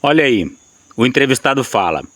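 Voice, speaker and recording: A man's voice: mid-range voice, animated, a little fast, fairly bright tone, no room sound. A man with a Brazilian Portuguese accent, hosting his own channel and commenting on a newspaper article. He talks with indignation, restarting often and tagging on questions. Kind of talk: opinionated video commentary.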